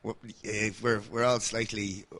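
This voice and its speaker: A man guesting on a podcast, hoarse from a flu, rambling wryly and swearing freely. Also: lowish voice, little pitch movement, a little slow, fairly bright tone. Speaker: guest musician. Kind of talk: casual chat.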